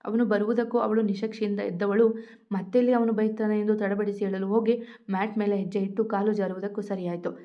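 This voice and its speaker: A woman storyteller narrating a romance story in a steady read-aloud way. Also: mid-range voice, a little fast. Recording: dull lo-fi audio.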